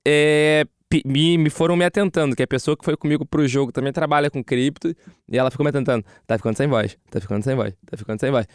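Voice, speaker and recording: A man talking casually on a podcast, telling stories in an animated, chatty way. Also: mid-range voice, fast, clear, resonant tone, no echo, clean studio sound. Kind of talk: casual chat.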